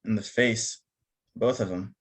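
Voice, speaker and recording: A man acts out a defeated detective in a period crime drama. His voice sits fairly low, and he reports in short, grim, bitter phrases. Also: steady tone, unhurried, slightly rough. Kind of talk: screenplay table read.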